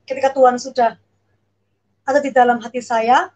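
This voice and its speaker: A middle-aged woman telling her conversion story in an earnest, emotional, halting way with many fillers. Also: fairly high pitch, little pitch movement, darkish tone, lo-fi sound. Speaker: testimony guest. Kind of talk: personal conversion testimony.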